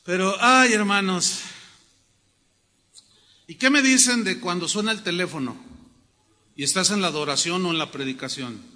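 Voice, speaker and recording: A man with a Mexican accent preaching a sermon to his congregation, telling stories in a humorous, animated way. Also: high voice, moderate pace, pauses often, in a large hall. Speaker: pastor. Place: church hall.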